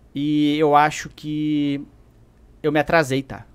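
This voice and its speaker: A man's voice at a fairly high pitch. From southern Brazil, Porto Alegre. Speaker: finance certification teacher. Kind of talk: casual interview.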